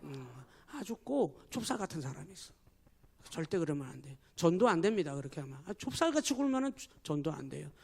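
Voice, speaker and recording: High-voiced male pastor preaching emphatically. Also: big pitch swings, fairly quick, gravelly, darkish tone, husky. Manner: emphatic preaching, addressing the congregation constantly. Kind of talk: sermon. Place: church.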